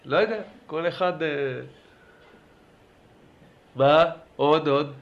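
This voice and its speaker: A man teaching a religious class in a lively lecture style, urging his listeners on and asking them questions. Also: on the high side, dull audio, a little hiss or hum. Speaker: Torah teacher.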